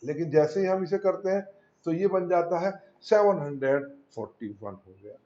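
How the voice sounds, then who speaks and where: A man's voice: fairly high pitch, animated, normal speed, dark tone. A male school maths teacher giving a patient classroom lesson, asking and answering his own questions and calling his students "beta", with Indian English number words. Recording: roomy, dull lo-fi classroom recording.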